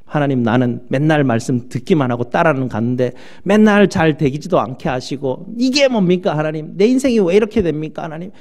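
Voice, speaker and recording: A self-pitying churchgoer whining at God in a high, strained voice, as a male preacher puts him on. The complaint comes out shrill and sulky, rising sharply in pitch. It keeps the preacher's mellow tone underneath. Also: expressive, fairly quick, hardly any pauses. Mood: sulking.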